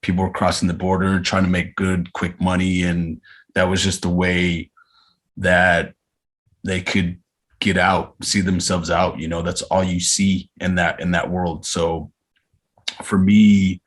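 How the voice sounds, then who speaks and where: A man in his thirties from Arizona, a podcast guest talking casually about his life with frequent pauses and hesitations. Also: low-pitched, little pitch movement. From Arizona, USA. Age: 30s. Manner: reflective, unhurried, frequent hesitations. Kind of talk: casual interview chat.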